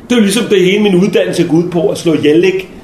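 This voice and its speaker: A man's voice: sits high, darkish tone, lightly acted. A young man acting a brash, shaken male soldier in a theatrical monologue, coarse and restless, in a roomy space with faint noise. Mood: agitated.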